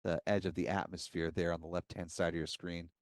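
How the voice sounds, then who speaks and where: A man's voice: low voice, flat delivery, a little fast, dry recording, studio quality. A man giving live, explanatory commentary as host of a launch webcast.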